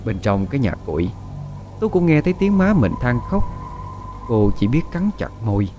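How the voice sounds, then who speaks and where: A man narrating a dramatic audio story in an expressive storytelling manner. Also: medium pitch, moderate pace. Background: faint background music.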